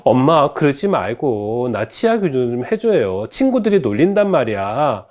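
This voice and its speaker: A man's voice: medium pitch, very animated, unhurried, darkish tone. A man voicing a teenage girl who insistently begs her mother, in a whiny, pleading, raised voice.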